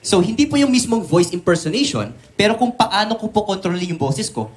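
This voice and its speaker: A young voice artist from the Philippines, politely and eagerly answering questions as a guest on a morning TV show. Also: male voice, sits high, very animated, brisk. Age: young adult. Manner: polite, eager, talks with many respectful "po".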